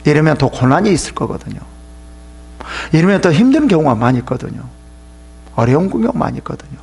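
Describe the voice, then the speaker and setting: A man's voice: fairly high pitch, sing-song, fast talker, creaky, darkish tone, husky. A man pastor giving an emphatic sermon at a church seminar, addressing listeners sharply and sometimes dropping into a whisper.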